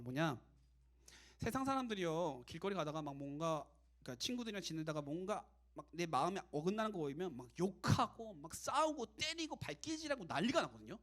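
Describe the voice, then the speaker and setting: A man preaching a casual, conversational sermon to young adults as their youth pastor, animated and direct. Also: sits high.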